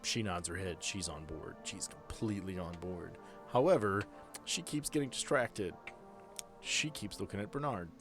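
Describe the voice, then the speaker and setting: A man's voice: low voice, normal speed, music in the background. A man speaking informally as game master, narrating a tabletop horror game. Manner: informal, profane.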